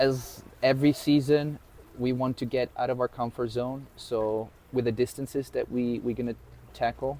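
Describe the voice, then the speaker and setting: At a moderate pace, a man talks with a dark, mellow tone, a medium pitch, monotone, flat intonation and an American accent. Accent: American-sounding English. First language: not English. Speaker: swimmer and swim coach. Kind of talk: casual Q&A chat.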